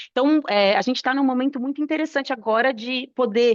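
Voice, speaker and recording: In a São Paulo interior accent, a woman speaks at a high pitch with ordinary pitch variation against a quiet background. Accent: Campinas accent (interior São Paulo). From Brazil, Campinas (São Paulo state). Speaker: research policy program manager. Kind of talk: conference talk. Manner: many filler hesitations.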